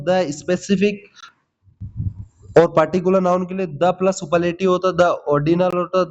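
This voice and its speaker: A man teaching English grammar in for exam prep, lively, often asking "ठीक है?" and calling his students "भाई". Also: sits high. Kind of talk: Hindi grammar lesson with English examples. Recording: slightly dull lo-fi audio.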